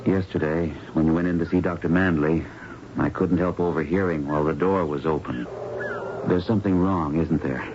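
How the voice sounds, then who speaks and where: An actor playing a plucky, chivalrous young intern doctor in a radio drama, with a breezy, plain-spoken manner. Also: male voice, low voice, fairly even intonation, moderate pace, lightly acted. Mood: breezy, friendly. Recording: dull old radio recording, faint noise.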